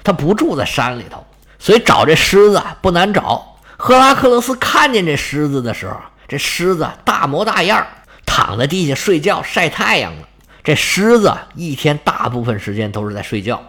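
A man's voice: a little high, big pitch swings, normal speed, bright, forceful tone. A man telling a myth in a chatty, folksy storyteller manner, adding sound effects. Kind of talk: storytelling narration.

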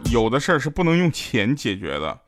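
A man's voice: mid-range voice, sing-song, fairly quick, music in the background. A man hosting a podcast, telling jokes in a teasing comedy monologue and chuckling through his punchlines. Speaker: podcast host. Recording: loud hiss and clicks.

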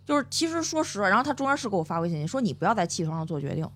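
A woman's voice: medium pitch, rapid-fire. A middle-aged woman with a Beijing accent, a podcast guest telling a work story in casual chat and acting out what people said. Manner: animated storytelling, acts out quoted speech.

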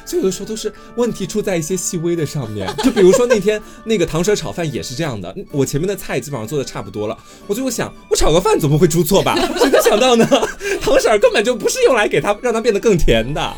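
A man co-hosting a podcast, telling stories in casual chat with a laughing, animated manner. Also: high-pitched, quick pace, few pauses, music in the background. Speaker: podcast co-host.

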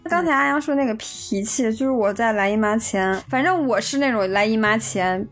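High-voiced, laughing woman podcaster. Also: fairly quick, soft background music. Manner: lively storyteller, laughs often, acts out quoted voices. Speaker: podcast co-host. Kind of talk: casual chat.

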